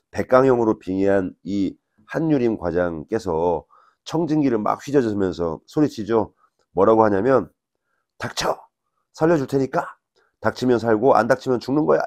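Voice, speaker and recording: A man teaching fortune-telling, explaining step by step in a measured lecture and asking rhetorical questions as he writes on a board. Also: low voice, darkish tone.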